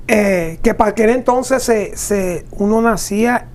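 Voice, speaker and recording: A man's voice: high voice, measured pace, a little mellow. A man from Ponce with a Puerto Rican accent, a guest artisan on a local TV show. He answers at length and in detail, dropping in English fillers. A faint hiss sits under the recording. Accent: Puerto Rican Spanish. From Ponce, Puerto Rico. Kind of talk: interview answers.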